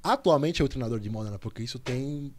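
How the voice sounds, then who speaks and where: A young man, a podcast guest telling a story in a lively, slangy way, full of restarts and repeats. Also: medium pitch, fast talker, slight background noise. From Cuba. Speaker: podcast guest, volleyball player. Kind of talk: casual storytelling chat.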